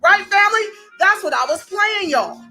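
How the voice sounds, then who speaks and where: A woman hosting an online commentary show, animated and rallying, who keeps calling her listeners "family.". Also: extremely high pitch, normal speed, faint music behind, poor audio. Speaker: host.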